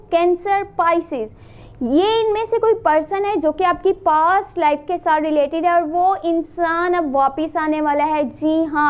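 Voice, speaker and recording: A high-pitched woman gives a relaxed tarot reading, her throat a little hoarse. She speaks right to the viewer, rattling off lists and repeating her phrases as she goes. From Pakistan. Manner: addresses the viewer directly, repeats and lists phrases, mixes in English. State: sore throat, slightly hoarse. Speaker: tarot reader. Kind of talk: casual monthly tarot reading to camera.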